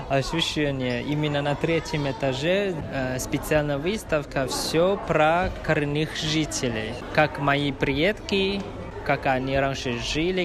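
Slow-speaking man, higher voice. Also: noisy background. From Taiwan. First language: Atayal. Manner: slow, searching for words. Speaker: co-host. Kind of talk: casual chat on a museum tour. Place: museum exhibition.

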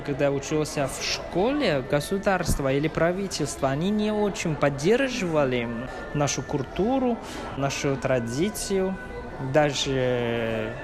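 Slow-speaking man, higher voice. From Taiwan. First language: Atayal. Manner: slow, searching for words. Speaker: co-host. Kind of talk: casual chat on a museum tour. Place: museum exhibition.

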